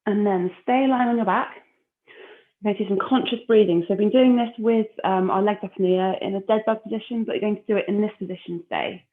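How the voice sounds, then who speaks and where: Casting: female fitness instructor, calm encouraging cues, mid-pitched, tinny phone-quality sound. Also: quick pace. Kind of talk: guiding an exercise class. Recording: phone-like narrow audio.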